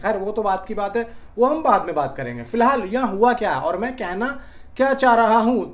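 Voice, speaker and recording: A man giving casual film news commentary, talking colloquially and directly to fans like a chatty YouTube host. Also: high voice. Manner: colloquial, chatty, addresses viewers as brother.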